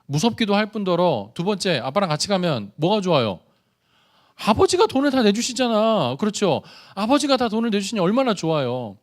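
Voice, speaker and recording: A man preaching a sermon as youth pastor in a church service, telling stories in a lively, conversational way and asking the listeners questions. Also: high-pitched, brisk. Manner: animated, conversational storytelling; addresses the congregation directly with questions.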